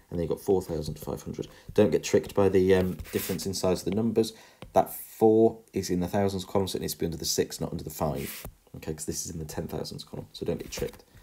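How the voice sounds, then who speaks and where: Talking at a very fast pace with big swings in loudness, a man with a very deep, low pitch and a dark, mellow tone speaks in an English accent. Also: ordinary pitch variation. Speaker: primary school teacher. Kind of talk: maths tutorial. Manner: casual, thinking aloud; mumbling to himself.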